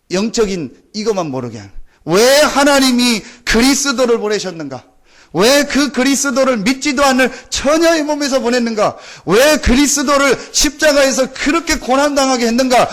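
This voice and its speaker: High-pitched, intense male preacher. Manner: intense, emphatic, earnest; repetitive rhetorical questions to listeners.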